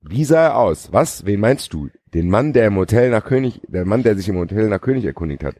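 Husky low-voiced man reading aloud. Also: very animated, mellow, no room sound, studio quality. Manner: reads aloud haltingly, laughing at the text. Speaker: podcast co-host reading a novel aloud. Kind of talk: casual reading with jokey asides.

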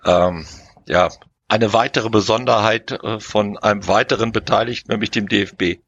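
A man's voice: lowish voice, steady tone, normal speed, fairly bright tone, breathy edge, highs cut off. A man speaking as a lawyer in a conversational discussion, explaining and arguing his points with emphasis. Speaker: lawyer, podcast guest.

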